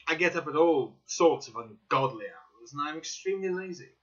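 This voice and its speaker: Courteous, inquisitive male doctor voiced by a male narrator, higher-pitched, animated, audiobook drama. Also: fairly quick. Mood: polite, candid. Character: curious, courteous male ex-army doctor, easily impressed. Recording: dull, slightly lo-fi recording.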